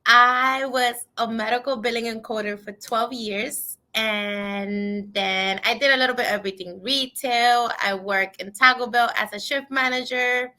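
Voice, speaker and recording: A woman from Puerto Rico, raised in the Bronx, co-hosting a casual chat, excitable and quick to laugh. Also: on the high side. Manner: giggly, excitable. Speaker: co-host, travel agent.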